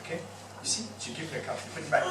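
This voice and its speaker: A man with a Singaporean English accent gives a lively, playful public speaking workshop, quizzing and teasing his audience. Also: rapid-fire. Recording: echoey room picked up from a distance with background noise.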